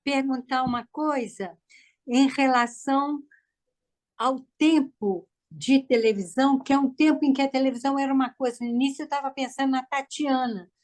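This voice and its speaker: A woman's voice: high-pitched, fairly even intonation, moderate pace. A Brazilian woman asking questions casually in a group discussion.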